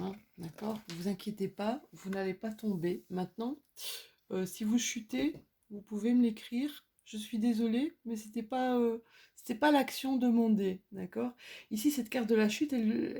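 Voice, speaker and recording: With a warm tone and a voice a little on the high side, this French-speaking oracle card and astrology reader chats her way through a casual at-home reading. She teases herself and occasionally goes off on tangents.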